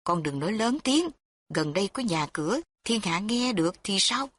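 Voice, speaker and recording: Woman reader as a gruff, scolding older father in a storybook. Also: mid-range voice, animated, normal speed, fairly bright tone, no echo. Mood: hushed scheming. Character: scheming harsh older father.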